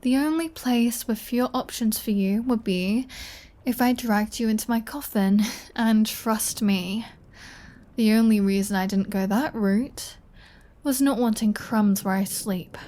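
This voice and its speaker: Female vampire played by a woman, unhurried delivery, flirty and sardonic, playfully bossy, for intimate roleplay audio drama. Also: on the high side, warm tone, close to an everyday voice. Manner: playful, teasing, dry, bossy.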